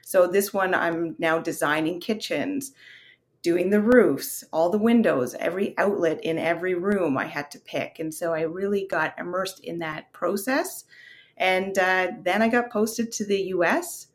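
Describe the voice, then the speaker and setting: A woman's voice: fairly low pitch, a little slow. A woman from Canada in her thirties, a guest on an interview, telling her career story in a casual, open way with fillers. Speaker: guest, real estate investor.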